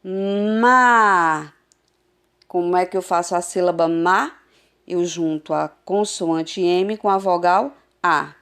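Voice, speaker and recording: A woman teacher giving a recorded adult literacy lesson over a phone, sounding out syllables slowly and patiently. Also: on the low side, steady tone, smooth. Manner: slow, patient, drawn-out syllables.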